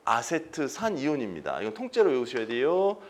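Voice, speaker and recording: Lively male chemistry lecturer, quizzing. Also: mid-range voice, fairly quick, a little hiss or hum. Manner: quizzes students with questions and answers them himself; repeats key terms. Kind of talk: exam-prep lecture.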